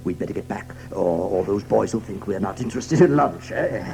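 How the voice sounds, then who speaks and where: Children's audio drama: older male badger, gravelly, animated, hospitable, given to chuckles and repeated phrases. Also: fairly low pitch, fairly quick, faint music behind. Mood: reflective, storytelling. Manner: hesitant, chuckling, repeats his words.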